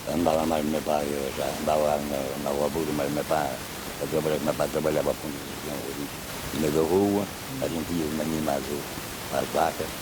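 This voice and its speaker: In a room with audible echo and noticeable background noise, a man with a very deep, low pitch speaks at a fairly slow pace in a monotone, flat way. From Azores, Terceira island (Ribeirinha). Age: 60s. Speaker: bullfight rope handler. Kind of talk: interview about his life. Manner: halting.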